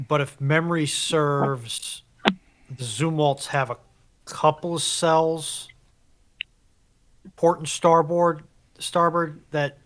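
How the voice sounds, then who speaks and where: A man chatting as a livestream panelist, speaking haltingly and qualifying his points with careful pauses. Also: a little high, a bit bright, rough recording. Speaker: livestream co-panelist and chat moderator. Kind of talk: casual panel chat.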